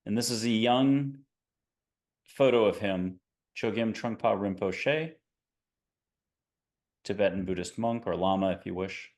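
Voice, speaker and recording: A man with a fairly low voice hosting an interview show on a video call. He keeps things chatty and upbeat, introducing his guest, throwing in quick asides, and steering the conversation along. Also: a little mellow. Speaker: podcast host.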